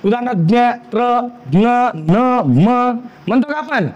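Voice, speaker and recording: High-voiced man teaching a grammar lesson. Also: big pitch swings, darkish tone, lo-fi sound. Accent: Marathi. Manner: drills by asking questions and answering them himself; spells out sounds slowly one by one.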